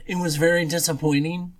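A man's voice: on the high side, steady tone, moderate pace. A man co-hosting a podcast, chatting casually and giving opinions in a conversational way. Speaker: podcast co-host. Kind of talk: casual chat.

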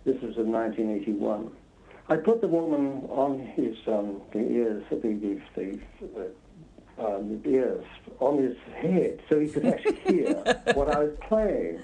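A man's voice: mid-range voice, expressive, a little slow, mellow. A man being interviewed as a guest, telling anecdotes conversationally in a hesitant, self-interrupting way. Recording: slightly dull, lo-fi sound.

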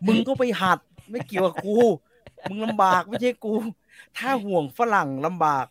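Man, casual chat, blunt and crude, joking, somewhat high pitch, dry sound. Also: animated, normal speed, a bit bright, no echo.

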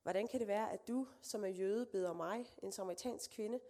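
A woman's voice: mid-range voice, dark tone, lightly acted. A woman reading aloud the lines of a surprised woman at a well, in a plain, questioning voice.

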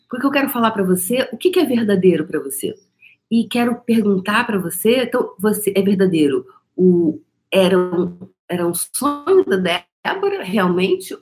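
Brazilian woman vlogger, lower register, easygoing storyteller who keeps checking in with her viewers. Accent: Brazilian Portuguese. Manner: chatty storytelling, frequent tag questions and laughs. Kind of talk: casual spoken monologue to viewers.

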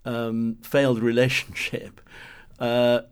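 A man's voice: mid-range voice, monotone, slow, clear, resonant tone. A man in a mid-range voice interviews an author. He phrases his questions thoughtfully and hedges tentatively as he goes. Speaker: interviewer, editor. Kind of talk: conversational interview.

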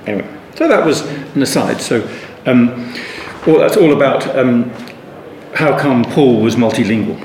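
A man's voice: mid-range voice, animated, unhurried, darkish tone. A man giving an unscripted Bible study talk, rambling thoughtfully with many restarts and asides. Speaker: Bible teacher. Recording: echoey room with faint ambient noise.

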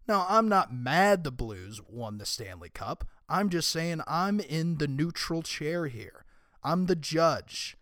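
A young man with a raspy, hoarse voice talks through a solo podcast, casual and conversational but emphatic when he makes a point. His pitch sits in a middle range. The recording is dry and close, with no room sound. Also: fairly bright tone, no echo. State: hoarse from screaming and illness. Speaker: podcast host.

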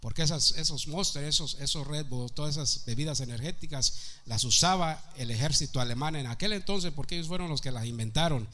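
A man's voice: on the high side, a little fast, bright, forceful tone. A man preaching a sermon, calling out to the congregation with repeated questions and rising to emphatic peaks.

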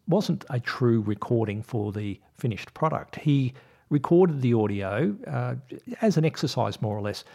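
Mellow Australian podcast host. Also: male voice, medium pitch, husky. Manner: chatty, speaks straight to the listener. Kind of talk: podcast monologue to listeners.

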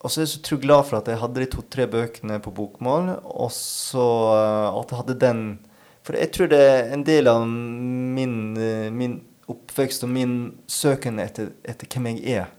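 A man, an author and podcast guest, speaking in a thoughtful, halting way and often searching for his words. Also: medium pitch, steady tone, a little mellow. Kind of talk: reflective interview talk.

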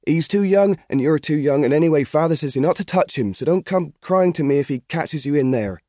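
A man's voice: fairly high pitch, expressive, fairly quick, dark tone, no echo, studio quality, voice pushed up, natural voice. A man voicing an anxious, stern farmer's wife and mother in a storybook reading. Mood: anxious, scolding. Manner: scolding, anxious. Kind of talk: audiobook character voice.

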